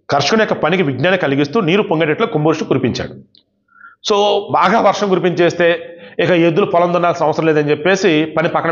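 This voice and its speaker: A devotional storyteller with a high, light male voice retells an old devotional epic, reading a verse passage and then explaining it in casual everyday speech. The recording sounds dull and lo-fi.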